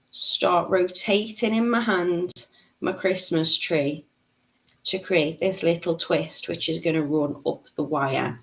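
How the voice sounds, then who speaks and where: A woman's voice: lowish voice, rough recording. Chatty woman teaching beadwork. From Liverpool, England. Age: 30s. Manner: chatty, reads out viewer comments, laughs easily. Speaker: beading tutor. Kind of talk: live craft tutorial.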